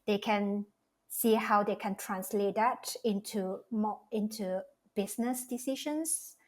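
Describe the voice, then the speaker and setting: A woman speaks at a middle pitch. She talks as a podcast guest, thinking aloud and circling back to rephrase her ideas. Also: a little slow. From Malaysia. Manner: reflective, speaks in loose restarting phrases. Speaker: guest, cultural strategist. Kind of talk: casual interview talk.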